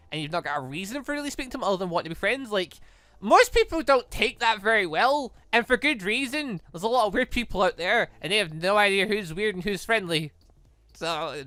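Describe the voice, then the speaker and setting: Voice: medium pitch, sharp tone, dry recording. A gaming YouTuber giving casual, rambling and exclamatory commentary on a game. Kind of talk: casual game commentary with read-aloud dialogue.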